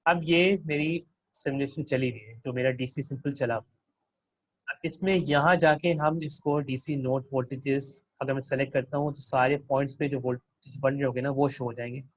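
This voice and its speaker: A man's voice: medium pitch, steady tone, normal speed, no echo, poor audio. A man working as a teaching assistant, walking students through a circuit simulation and quizzing them with questions.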